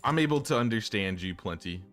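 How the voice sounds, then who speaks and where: A man's voice: on the low side, expressive, fairly quick, fairly bright tone, faint music behind. Chatty man streaming a game. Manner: chatty, talks to chat while playing. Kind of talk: casual gameplay commentary.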